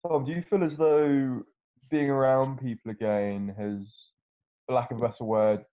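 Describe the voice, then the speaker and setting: A man's voice: mid-range voice, fairly even intonation, moderate pace. A man co-hosting a podcast over a video call, earnest, stammering through restarts. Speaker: podcast co-host. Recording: tinny phone-like video call audio.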